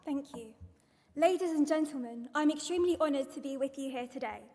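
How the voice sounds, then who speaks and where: A young woman speaks in a high voice with a London accent. She delivers a prepared, earnest speech to the formal standard of a public event, and long hall reverb trails her words. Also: brisk, darkish tone. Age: young adult. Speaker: guest speaker, activist. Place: large indoor event venue.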